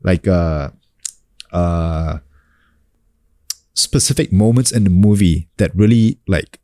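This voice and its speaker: A man in his thirties from New Zealand, a guest in a relaxed interview, talking loosely with many fillers and restarts. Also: deep voice, takes it slowly, dry recording, studio quality. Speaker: guest, actor and coach. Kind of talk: casual sit-down interview.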